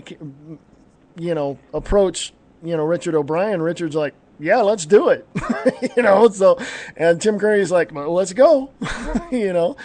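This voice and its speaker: A man's voice: fairly high pitch, darkish tone. A man in his fifties hosting a live talk show, chatting casually with many fillers and frequent laughs. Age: 50s. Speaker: podcast host. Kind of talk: casual chat.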